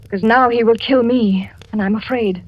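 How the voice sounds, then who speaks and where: An actress with an English accent playing a frightened young wife who pleads for protection in a 1940s radio drama. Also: female voice, a little high, steady tone, moderate pace, no room sound, lightly acted. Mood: fearful. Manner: anxious, pleading, breathless. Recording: dull old radio recording.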